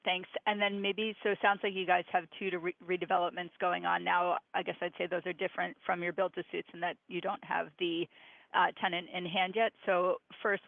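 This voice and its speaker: A woman's voice: fairly low pitch, creaky, dry recording. A woman asking questions as an analyst on a conference call, in a conversational way over a muffled phone line.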